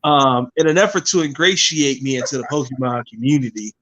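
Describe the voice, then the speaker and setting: A man co-hosting a podcast in casual chat, relaxed and joking as he tells stories. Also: mid-range voice, fairly quick. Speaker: podcast co-host.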